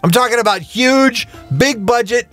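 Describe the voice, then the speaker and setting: A man's voice: very high-pitched, moderate pace, fairly bright tone, faint music behind. A man co-hosting a comedy podcast, playful and wry, steering the show's segments. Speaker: podcast co-host. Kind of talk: casual comedic chat.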